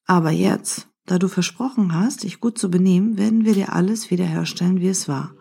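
A woman voicing a clever, calm little village boy in a children's story, patient and explaining. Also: fairly low pitch, a little fast, creaky, husky.

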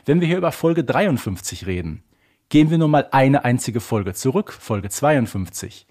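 A man's voice: medium pitch, expressive, normal speed, darkish tone, husky. A man talking casually as a podcast co-host, making his case in an emphatic, argumentative way. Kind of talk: casual, opinionated podcast discussion.

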